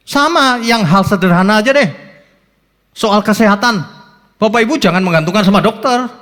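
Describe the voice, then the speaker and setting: A man preaching in a church hall, his fairly high voice leaping up and dropping low with lively swings. His words ring out with a long reverb trailing behind. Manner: lively preaching with sudden rises and drops, rhetorical questions. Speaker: pastor. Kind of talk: sermon.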